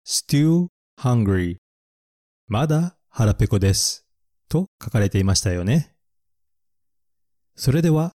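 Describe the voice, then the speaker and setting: A man teaching English vocabulary from a picture book in a slow, deliberate podcast lesson. His voice is low and mellow and he pauses to repeat each word. The sound is close and dry. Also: no echo. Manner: slow and careful, repeating English words for learners.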